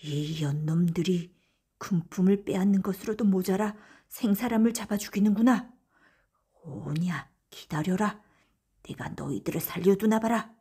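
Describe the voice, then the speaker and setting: A woman's voice: medium pitch, normal speed, mellow, breathy edge. A woman storyteller voicing a wronged, cunning male salt merchant in a folktale audiobook, with archaic theatrical speech. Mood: vengeful anger. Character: wronged male salt merchant, vengeful, slyly feigning fright.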